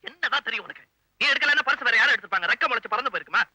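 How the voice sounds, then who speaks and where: A man's voice: extremely high pitch, lively intonation, very fast, sharp tone, no room sound, heavily acted, rough recording. An actor playing an irritable young man who keeps scolding a childlike woman in a 1980s film, grumbling in exasperation. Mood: exasperated.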